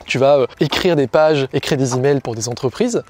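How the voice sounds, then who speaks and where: A man's voice: mid-range voice, fairly quick, darkish tone. A young man vlogging casually, a copywriting coach chatting straight to the viewer with lots of fillers and restarts. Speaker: online entrepreneur and copywriting coach. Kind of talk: casual direct-to-camera vlog.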